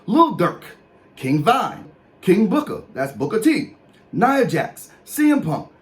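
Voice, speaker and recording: A man in his thirties with a high voice and very animated intonation. He speaks African American English. He reads out lists like an official announcement, then drops into casual, emphatic asides as a comedic explainer. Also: slow pace. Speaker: host explaining slang. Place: small room with posters, indoors.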